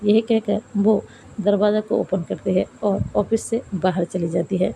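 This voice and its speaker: A woman narrating a romance story in Hindi, reading every line of dialogue herself in a steady, plain manner. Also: mid-range voice, a little slow, vocal fry, slight background noise, low-quality recording. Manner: steady, plain retelling with dialogue read aloud.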